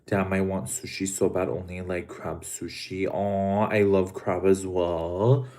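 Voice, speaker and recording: A man's voice: sits low, flat delivery, a little slow, mellow. A man hosting a casual livestream, talking in a dramatic, camp way to his viewers while he eats. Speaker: livestream host.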